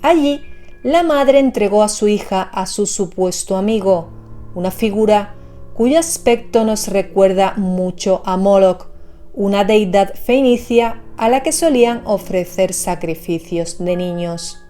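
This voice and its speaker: Female narrator, mellow tone, mid pitch, measured scripted horror storytelling over music. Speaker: narrator of a horror explainer channel. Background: background music.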